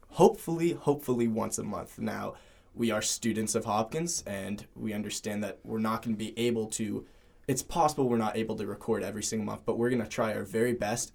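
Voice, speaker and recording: Student podcast co-host, young man, low and raspy, earnest and a bit halting. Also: a little mellow. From Cleveland, Ohio. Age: young adult. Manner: earnest, with restarts and fillers. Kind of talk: casual student podcast chat.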